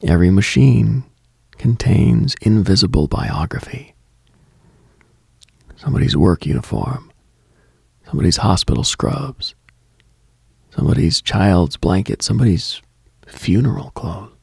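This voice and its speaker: A man hosting a late-night mystical radio show, delivering a scripted monologue in a hushed, contemplative, brooding manner. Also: sits low, expressive, unhurried, vocal fry, pauses often, breathy edge, no echo, studio quality.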